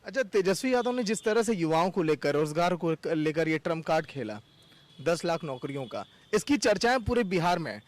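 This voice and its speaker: A man's voice: a little high, very animated, a little fast. A man, a news reporter, putting pointed questions in a field interview and signing off.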